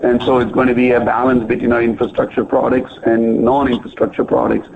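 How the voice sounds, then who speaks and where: A man's voice: mid-range voice, flat delivery, brisk, gravelly. A man speaking as a confident company executive, answering analyst questions on a conference call over a phone line. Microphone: telephone conference line. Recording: noisy, band-limited phone line.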